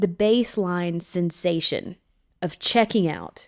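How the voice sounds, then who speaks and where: Speaking in an American accent, a woman uses a fairly low pitch with ordinary pitch variation. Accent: Southern US, comes out in the South. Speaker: podcast co-host. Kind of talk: casual chat.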